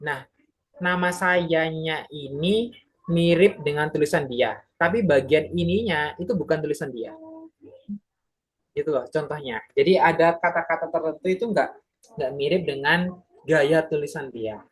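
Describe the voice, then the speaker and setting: A young adult presenter giving a casual explanatory talk to a community group, pausing often with filler sounds and correcting themselves mid-sentence. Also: medium pitch, breathy edge, low-quality recording. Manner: hesitant, many filler sounds and self-corrections.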